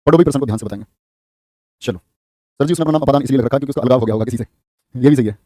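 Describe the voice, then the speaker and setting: Guy running an exam prep class super fast, keeps quizzing n teasing the kids, dry close sound. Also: medium pitch, warm tone, no echo. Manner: brisk, drilling questions, teasing students. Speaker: Hindi teacher.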